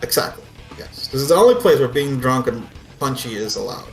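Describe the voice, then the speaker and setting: A man's voice: mid-range voice, sing-song, brisk. A man running a tabletop role-playing game as game master, narrating in a casual, sweary way. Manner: casual, profane. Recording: roomy echo, faint music behind.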